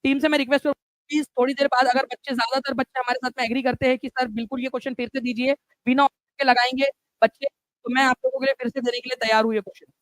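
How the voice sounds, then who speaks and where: A man's voice: extremely high pitch, flat delivery, racing, fairly bright tone, no echo, poor audio. A male teacher running a live online exam-prep class, chatty and repetitive, often checking in with students. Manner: chatty, repeats key points with frequent "theek hai" and "friends".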